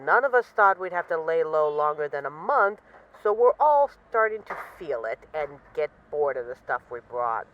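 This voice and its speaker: A woman acts out a female crime boss with a lively, swooping delivery. She is wry and boastful, teasing her partner fondly as in an intimate audio roleplay, and the sound is slightly dull. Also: low voice, normal speed. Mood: wry, bored. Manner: wry, boastful, teasing, mock-indignant, swearing casually. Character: witty, self-assured female mafia boss, bored, affectionately teasing her partner.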